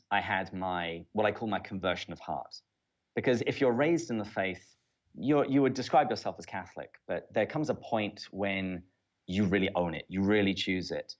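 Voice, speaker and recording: Kinda muffled audio, lowish british guy w/ southern english accent, chatting as a guest on an interview. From southern England. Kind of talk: casual conversational interview. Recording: dull, lo-fi audio.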